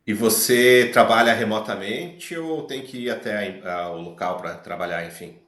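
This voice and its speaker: A man, a radio host asking short, conversational interview questions that trail off quietly at the ends. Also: on the low side, normal speed, roomy sound.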